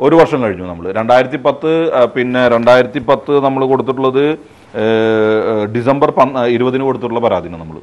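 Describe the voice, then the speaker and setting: This interviewee, a man from Kerala's Thrissur district who was a fraud victim, speaks with animation at a medium pitch, though the audio is dull. His unscripted account is halting and hesitant, full of word searches and English borrowings.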